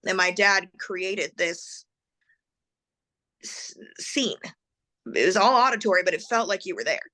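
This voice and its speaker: A woman's voice: mid-range voice, unhurried, pushed and bright. A middle-aged woman chatting casually as an interview guest, laughing often and growing emotional as she remembers. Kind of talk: casual conversation.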